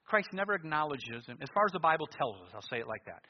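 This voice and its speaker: A man preaching a sermon with passion, swinging between loud declarations and hushed, intense tones, his voice a little husky. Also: a little high, sing-song, fast. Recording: dull lo-fi sound with long hall reverb.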